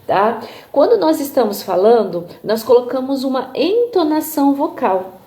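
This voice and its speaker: A woman's voice: sits high, very animated, normal speed, dark tone. A woman music therapist with a Brazilian accent, giving a live online lecture over a phone stream in an explanatory way, tagging her sentences with little checks. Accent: Brazilian Portuguese. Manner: demonstrates intonations with her voice. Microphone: phone livestream.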